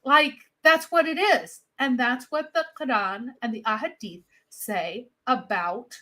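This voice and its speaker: A woman's voice: on the high side, sharp tone. A woman co-hosting a commentary chat, speaking in an emphatic, argumentative way. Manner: emphatic, quick to argue. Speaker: co-host.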